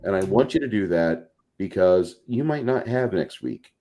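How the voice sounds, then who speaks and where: A man's voice: sits low, lively intonation, normal speed, warm tone. A man talking casually and emphatically as an opinionated, salty-tongued panelist on a tabletop gaming show. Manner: foul-mouthed, emphatic. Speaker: podcast panelist.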